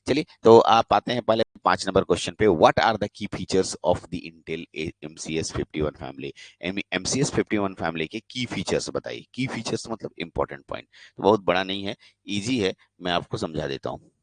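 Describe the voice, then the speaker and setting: A young man with a very low voice leads a live online polytechnic class, speaking Hindi with a Bihari accent. He slips English technical terms into his explanations and keeps asking his students whether they follow. The sound is dry and close, with no room around it. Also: no room sound. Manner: explains in Hindi mixed with English, checks in with frequent questions. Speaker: polytechnic teacher.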